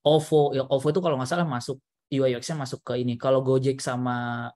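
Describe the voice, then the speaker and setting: A man of middle pitch answers webinar questions in a loose, meandering way, stopping often for fillers and restarts. His voice comes over a video call with a dry, close sound. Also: fairly even intonation, fast talker, a little mellow, no room sound. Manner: rambling, lots of fillers and restarts. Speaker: webinar speaker.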